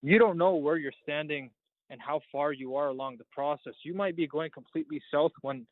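A man's voice: a little high, brisk. Teenage man on a tinny phone line. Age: teens. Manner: eager, rambling explanations. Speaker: engineering student guest. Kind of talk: phone-in radio interview.

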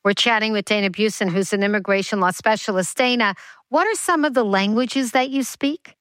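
A woman's voice: medium pitch, brisk, a bit bright, dry recording, studio quality. Chatty, enthusiastic woman host. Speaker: radio or podcast host. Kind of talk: interview hosting.

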